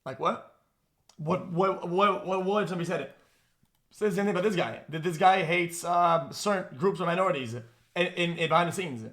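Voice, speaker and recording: A man's voice: sits high, a little fast, a bit bright. A man streaming live, ranting at his chat in reaction to a video, full of restarts, repeated words and swearing.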